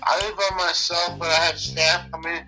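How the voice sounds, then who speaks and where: A man talking over a phone call as a caller, halting and hesitant, often restarting his sentences. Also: on the high side, level tone, pushed and bright, faint music behind. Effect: heard over a phone call.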